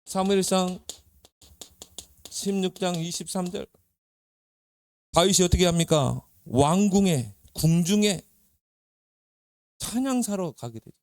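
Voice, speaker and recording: A man who is a pastor, giving a lively, conversational sermon to young people and telling Bible stories with questions to his listeners. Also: sits high, slow pace, pauses often, no echo. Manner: lively storytelling, acting out Bible characters. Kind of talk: sermon to youth.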